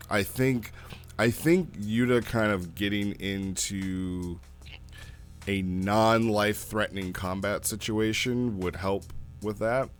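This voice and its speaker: A man hosting a casual review, talking informally and haltingly in an amused way as he thinks aloud. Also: low voice. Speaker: host reviewing role-play logs. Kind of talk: casual rambling review commentary.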